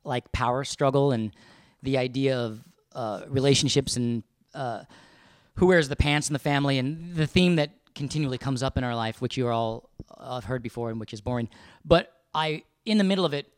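A man co-hosting a podcast, talking casually and animatedly with a fairly high register, swearing and laughing often. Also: fairly quick, smooth, dry recording. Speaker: podcast co-host. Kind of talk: casual chat.

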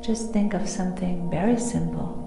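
Female meditation guide, slightly low pitch, airy breathy mystical healer delivery, soothing and deliberate, music underneath. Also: steady tone. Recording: echoey reverberant sound over music.

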